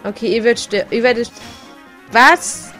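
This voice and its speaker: A woman gives casual commentary while playing a video game, chatty and giggly. Her voice sits a little high, and she often trips over her words. Faint game music plays underneath. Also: normal speed, fairly bright tone. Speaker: let's play gamer.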